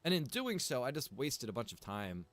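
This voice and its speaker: A man's voice: mid-range voice, big pitch swings, normal speed, fairly bright tone. A man chatting casually on a gaming stream, rambling and thinking aloud as he goes. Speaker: streamer and server developer.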